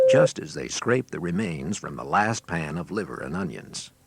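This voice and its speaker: A man narrates a scripted training filmstrip with wry theatrical flair. His lowish voice swoops expressively through the phrases. It comes from a 1980s cassette with heavy noise and clicks. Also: creaky.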